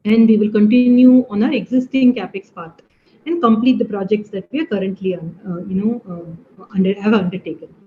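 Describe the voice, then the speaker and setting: A woman's voice: medium pitch, a little fast. A woman with an Indian accent speaking as a finance executive, answering questions on an earnings call. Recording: dull call line, faint noise.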